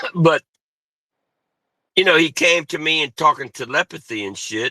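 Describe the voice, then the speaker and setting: Bright, sharp tone from a man with a fairly high pitch, vocal fry and lively intonation, in a dry, close sound with no echo. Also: moderate pace. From Louisiana. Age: 60s. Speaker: livestream host. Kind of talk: casual chat. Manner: halting.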